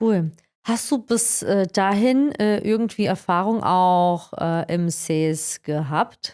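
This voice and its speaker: A woman talks at a very slow pace in a medium pitch with ordinary variation. Her loudness stays very even, and the recording is very clean with a silent background. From German-speaking region, Croatian family. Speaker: interviewer, sales manager. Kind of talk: interview.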